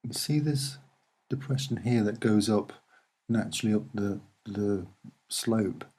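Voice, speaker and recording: A soft-spoken man giving a halting, unscripted commentary as he points things out, with frequent pauses. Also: fairly low pitch, husky. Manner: hesitant, halting, with many pauses. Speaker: amateur video presenter.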